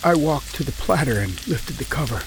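A man's voice: mid-range voice, lively intonation, moderate pace, noisy background, lightly acted. A man playing a volatile drinking husband. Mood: reflective. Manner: volatile, shifting between rage and pleading. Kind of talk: first-person story narration.

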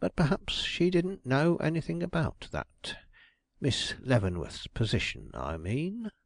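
A shrewd detective draws out his questions slowly and suavely, as a man reads him, every word deliberate and courteous. The voice sits in a middle range and is recorded close and dry, like a storybook character. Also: medium pitch, huge pitch swings, vocal fry, no echo, pitched above the performer's own voice, full character voice.

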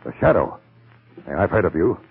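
Blustering, fast-talking crooked boss. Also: male voice, low voice, sing-song, creaky, breathy edge, heavily acted. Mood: blustering, rattled. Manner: blustering, brusque. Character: gruff, bullying, jittery crooked male civic boss. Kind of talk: old-time radio drama acting. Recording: noisy, tinny old radio recording.

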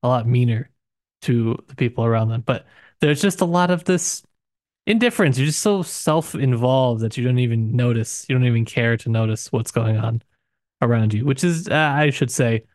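Guy chatting about literature on a podcast, mid pitch, rewords as he thinks, no room sound. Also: normal speed, darkish tone, dry recording, studio quality. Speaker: podcast co-host. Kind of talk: casual literary discussion.

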